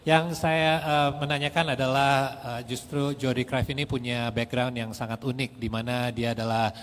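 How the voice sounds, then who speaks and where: Male moderator-interpreter, medium pitch, chatty and rephrasing, heard with long hall reverb. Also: fairly even intonation, brisk. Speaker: interviewer and interpreter at a press event.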